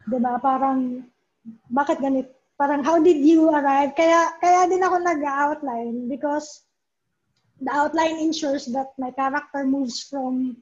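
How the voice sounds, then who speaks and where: A Filipino comics writer appears as a guest in a casual conversational interview, her voice high, a little slow and darkish. She's chatty, mixes English into her Tagalog, and keeps asking "di ba?". The recording is dull and lo-fi.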